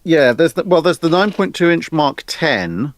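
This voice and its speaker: A man on a discussion panel explaining in a casual, expert way, halting and correcting himself as he builds each point. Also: fairly high pitch, sing-song, no echo. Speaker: panelist on a live history discussion.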